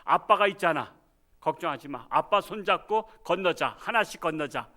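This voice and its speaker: A man voicing a father who calmly coaxes his frightened sons to cross with him. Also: a little high, normal speed. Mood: reassuring.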